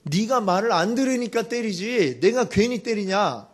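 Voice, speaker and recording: An angry, stubborn prophet from a retold storybook tale, gruff and scolding, as a preacher puts him on. He speaks lower and more quietly than the storyteller's own lively voice. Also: moderate pace.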